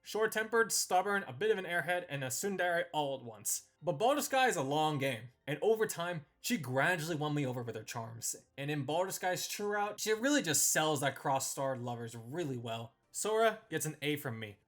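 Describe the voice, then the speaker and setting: A man's voice: a little high, sing-song, moderate pace, few pauses, a bit bright. A man hosting a video, giving scripted review commentary as he ranks characters in a tier list.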